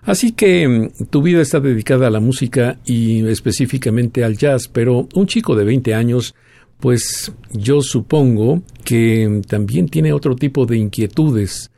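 A man hosting an interview, asking measured questions with small hesitations. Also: mid-range voice, creaky, dark tone, no echo. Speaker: radio host.

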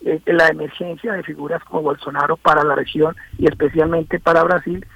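A man analyzing politics as a radio interview guest, thinking aloud with many pauses and restarts. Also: on the high side, level tone, vocal fry, no room sound. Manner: thoughtful, many hesitations and restarts. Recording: tinny phone line, dry.

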